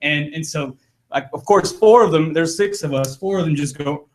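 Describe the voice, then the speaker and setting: A man's voice: a little high, moderate pace. Man telling a rambling funny story. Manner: rambling, repeats words, laughs while telling. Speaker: podcast host. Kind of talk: casual storytelling.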